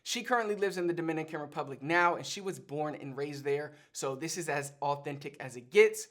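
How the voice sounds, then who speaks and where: A Puerto Rican man with a Puerto Rican accent, hosting and explaining things in a lively, chatty way. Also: on the high side, fairly quick. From Puerto Rico. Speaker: Spanish teacher and channel host. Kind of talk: casual teaching monologue to camera.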